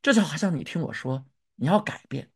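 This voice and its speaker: Animated pastor preaching a sermon. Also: mid-range voice, brisk, husky. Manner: animated storytelling, acting out shouted cries.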